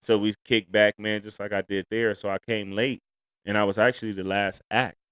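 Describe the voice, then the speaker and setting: A man's voice: on the low side, flat delivery, normal speed, fairly bright tone, clear, resonant tone, no room sound, clean studio sound. A man with an African American accent talking casually and emphatically on a podcast as a comedian guest, using plenty of slang.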